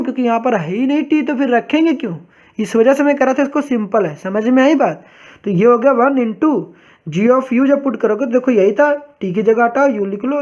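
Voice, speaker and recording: A man's voice: extremely high pitch, darkish tone. A man teaching math in a recorded online lecture. He talks in a chatty way, keeps asking whether the viewer has understood, and calls the viewer brother. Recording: dull lo-fi recording.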